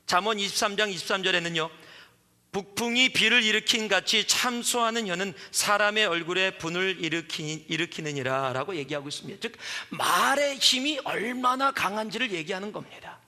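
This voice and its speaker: A man's voice: sits high, a little fast, sharp tone. A man in his forties preaching a sermon as pastor, telling stories animatedly and acting out the voices he quotes. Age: 40s. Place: church sanctuary. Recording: reverberant church hall.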